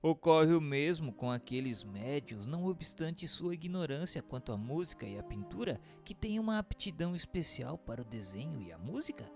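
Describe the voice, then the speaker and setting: A man's voice: a little high, big pitch swings, normal speed, hardly any pauses. A man with a Brazilian accent reading scripted narration in a formal, didactic way. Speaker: narrator and questioner. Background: music.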